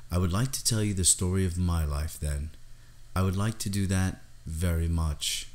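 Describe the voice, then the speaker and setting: A man voicing a composed, courteous and melancholy vampire for an audiobook, speaking softly in a deliberate, formal way. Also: sits low, close to an everyday voice. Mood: courteous, measured. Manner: soft-spoken, deliberate, formal. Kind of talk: audiobook character dialogue.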